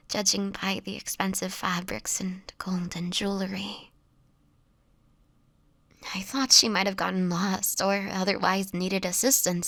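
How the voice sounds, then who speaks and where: A woman playing a sickly, homeless vampire in an intimate audio roleplay, speaking in a breathy, whispery voice with halting, hesitant delivery. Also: medium pitch, a bit bright, no echo. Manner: halting, hesitant storytelling with pauses.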